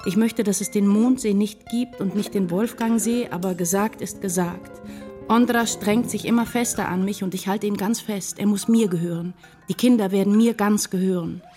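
A woman's voice: mid-range voice, fairly even intonation, moderate pace, warm tone, lightly acted. Woman actor for literary radio play: anxious, lovelorn writer narrating confessionally, intense and tender, faint music underneath. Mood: tender, wistful. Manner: intense, confessional first-person storytelling. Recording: music behind the voice.

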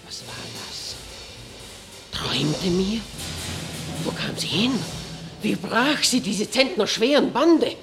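A woman's voice: mid-range voice, sing-song, slow, pauses often, music in the background. An actress playing an imperious, hostile queen in a classic radio play, speaking with urgent theatrical command. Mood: stunned.

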